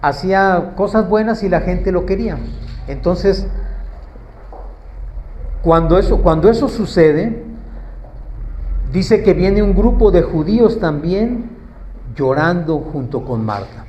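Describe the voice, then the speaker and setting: A man's voice: high-pitched, expressive, slow pace, long pauses, warm tone, a little hiss or hum. A man preaching a sermon in a conversational way, asking the congregation questions and acting out quoted pleas.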